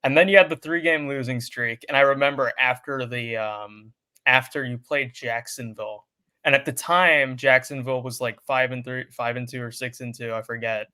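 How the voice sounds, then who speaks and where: A man co-hosting a casual sports podcast who recounts games in a measured, play-by-play way. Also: medium pitch, fairly even intonation, sharp tone, smooth. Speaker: podcast co-host.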